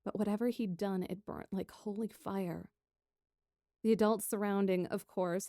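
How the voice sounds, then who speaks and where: A woman's voice: mid-range voice, creaky, dark tone, dry recording, clean studio sound. A woman playing a spirited, wry nineteen-year-old princess engineer, telling her story theatrically in a fantasy audio drama. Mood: playful. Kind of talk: first-person scripted narration, fan audio fiction.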